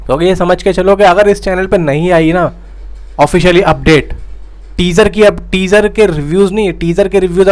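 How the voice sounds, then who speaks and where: Insistent man giving film updates. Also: high voice. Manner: insistent, repetitive, addresses viewers as brothers and friends. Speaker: film news YouTuber. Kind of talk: casual direct-to-camera update.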